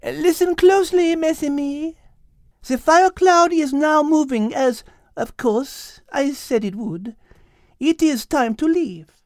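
A woman's voice: high voice, slow pace, darkish tone, no room sound. A woman voicing a bossy, polite and dainty female animal leader with a French accent in a children's story. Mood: commanding.

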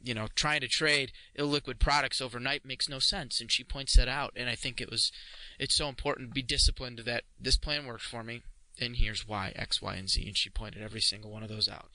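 A man's voice: medium pitch, pushed and bright, no echo, low-quality recording. A man in a casual podcast discussion, giving his takeaways in an emphatic, agreeable way.

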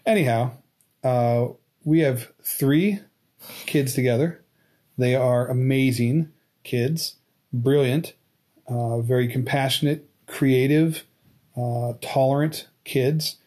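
A man's voice: mid-range voice, takes it slowly, dark tone. Hesitant forty-year-old man hosting. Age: 40s. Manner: hesitant, many restarts and fillers. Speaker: podcast host. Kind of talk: casual interview chat.

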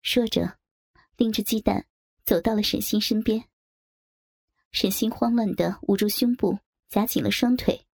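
A woman giving a steady, expressive scripted first-person narration of a story. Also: medium pitch, measured pace, creaky, pauses often, no echo.

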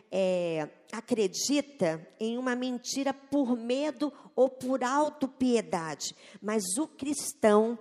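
A woman preaching a sermon in an earnest, emphatic way, asking her listeners rhetorical questions. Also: sits high. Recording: long hall reverb.

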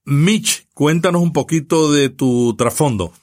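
A man with a Puerto Rican accent hosting a podcast, reading a scripted intro and interviewing guests in a measured, announcer-like way. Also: a little high, a little mellow, no room sound, studio quality. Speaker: podcast host.

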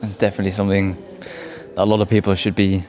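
A man's voice: deep voice, flat delivery, very fast, a crowd in the background. A young man from Hartlepool, co-hosting a student podcast in a friendly, casual way and laughing often. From Hartlepool, England. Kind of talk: casual chat, scripted intro.

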